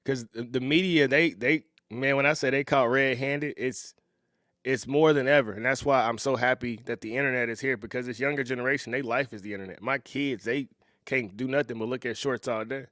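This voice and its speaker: A man in his thirties hosting a reaction video, talking in a relaxed, conversational way and often chuckling. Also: mid-range voice, a little fast, dry recording, clean studio sound. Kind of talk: casual reaction commentary.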